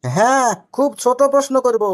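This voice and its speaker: Woman voicing a high-pitched, pestering cartoon husband. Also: very animated, normal speed. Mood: innocently persistent. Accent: Rajshahi Bengali. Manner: innocently questioning, persistent. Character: maddeningly literal, pestering cartoon husband, cheerfully obtuse. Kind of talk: comic cartoon dialogue.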